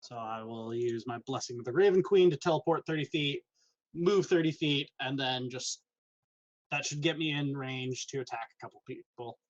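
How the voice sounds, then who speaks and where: A man playing a tabletop game, explaining his moves in a halting, casual way. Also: mid-range voice, highs cut off. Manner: halting, many restarts while explaining moves. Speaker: player.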